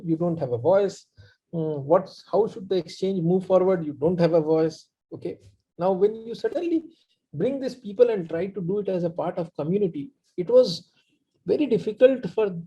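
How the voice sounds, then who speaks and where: A man with an Indian accent explaining his work as a panelist in a halting, presentational way. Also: high-pitched, dark tone, breathy edge. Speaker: panelist, community organizer. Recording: dull, muffled online-call audio.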